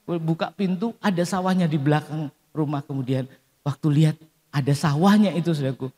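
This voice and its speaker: A man's voice: fairly high pitch, a little fast, darkish tone. A male pastor preaching a sermon in church, telling stories, acting out quotes and calling out amens to the congregation. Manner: storytelling with acted quotes, calls and amens to the congregation. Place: large church hall. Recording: long church hall reverb.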